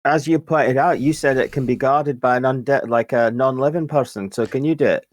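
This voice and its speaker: A man's voice: medium pitch, fairly quick, no echo. A man playing a tabletop game, chatting casually with dry, wry banter. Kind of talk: casual chat.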